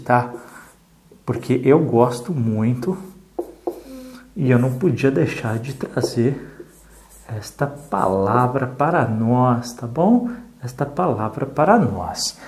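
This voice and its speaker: A Brazilian teacher giving a slow, patient adult literacy lesson, counting letters aloud and checking in often. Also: medium pitch, expressive, darkish tone. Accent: Brazilian Portuguese.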